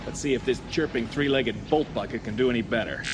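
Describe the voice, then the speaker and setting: An actor playing a cocky, gruff smuggler pilot, wry and brusque, in a space-opera audio drama. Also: male voice, mid-range voice, fast, heavy background noise, natural voice. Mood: irritated, sarcastic.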